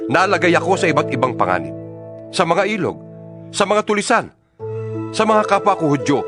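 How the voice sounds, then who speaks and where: A man playing an earnest, defiant yet humble apostle in a dramatized audio Bible, speaking emphatically with dramatic pauses. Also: fairly high pitch. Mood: impassioned, defiant. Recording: music under the voice. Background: New-age style music.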